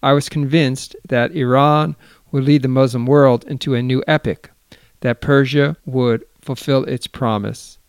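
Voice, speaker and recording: A man reading the part of a broken, secretive elderly exile with a low, hoarse voice. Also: steady tone, a little slow, no room sound, studio quality, close to an everyday voice. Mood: somber.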